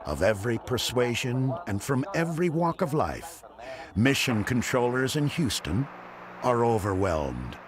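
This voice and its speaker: A man's voice: mid-range voice, very animated, measured pace, a crowd in the background. A man reading scripted, dramatic documentary narration. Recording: studio narration over prominent music.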